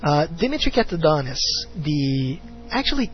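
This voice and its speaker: A man's voice: on the high side, sing-song, normal speed. A man hosting a casual fan talk show, rambling with plenty of fillers and restarts. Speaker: podcast host. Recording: muffled lo-fi audio with faint music.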